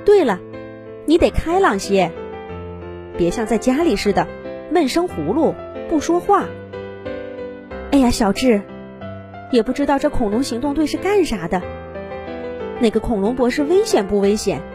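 Woman playing a fussing, high-voiced mother dinosaur. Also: big pitch swings, moderate pace, long pauses, over music. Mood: worried, calling out. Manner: anxious, tender nagging. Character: fussing, loving mother dinosaur, worried for her child.

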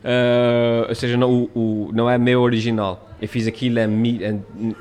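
A man with a European Portuguese accent, speaking in an ordinary mid-range voice. He talks in a relaxed, explanatory way, with many fillers and tag questions, like a video creator in casual chat. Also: mid-range voice, normal speed. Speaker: YouTube creator.

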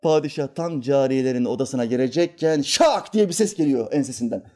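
Calm, mellow-voiced male preacher. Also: medium pitch. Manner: calm and measured, voices characters in anecdotes. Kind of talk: sermon with storytelling.

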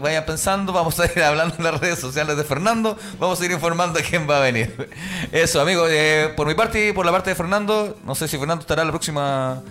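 A man's voice: a little high, fast, a bit bright. A man hosting a casual comedy radio show, chatting in a joking, teasing, rambling way. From Mexico. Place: online radio studio.

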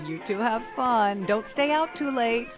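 A woman playing a kindly but stern elderly grandmother, gently firm and compassionate, in an audio drama. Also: a little high, a little slow, over music, lightly acted. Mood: tender. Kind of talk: cinematic audio drama roleplay.

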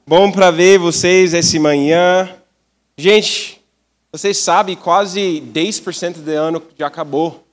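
An American pastor preaches in halting, learner's Portuguese and in English, with jokey asides. His voice sits a little high for a man. The sound carries the long reverb of a church hall. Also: fairly even intonation, faint music behind. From United States. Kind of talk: sermon with live interpreter.

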